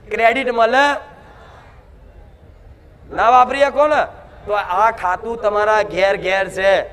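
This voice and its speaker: A woman's voice: fairly high pitch, fairly bright tone. A woman preacher speaking as the Mother goddess, giving a devotional sermon in an emphatic way, full of rhetorical questions.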